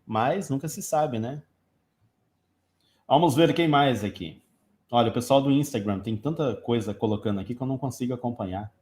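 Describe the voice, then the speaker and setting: A man's voice: medium pitch, normal speed, darkish tone. Brazilian man teaching in a live Q&A. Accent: Brazilian Portuguese. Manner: explanatory, teacherly, gives everyday examples. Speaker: English teacher hosting a live Q&A. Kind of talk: casual live-stream Q&A.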